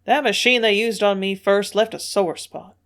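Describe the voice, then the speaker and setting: A woman reading the part of a rough male sailor, speaking loudly, gruffly and bluntly. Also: mid-range voice, moderate pace, natural voice.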